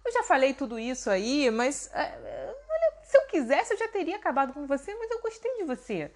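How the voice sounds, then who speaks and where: A woman's voice: sits high, very animated, a little fast. A woman voicing Bima, a proud and mighty male warrior who speaks with emphatic indignation. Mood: fervent.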